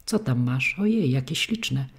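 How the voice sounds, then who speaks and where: A woman's voice: very deep voice, animated, a little slow, exaggerated voice. A woman reading an audiobook, voicing an earnest five-year-old girl in a raised, childlike voice. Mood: delighted. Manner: serious, childlike chatter.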